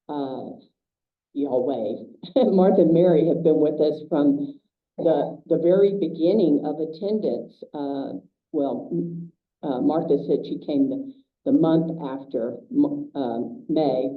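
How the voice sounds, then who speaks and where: Woman host, loud, hesitant, lots of ums; tinny distant room sound. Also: deep voice. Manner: chatty, hesitant with many fillers. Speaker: meeting host. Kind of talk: casual announcements to a small group. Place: meeting room. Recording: tinny, echoey, from far off.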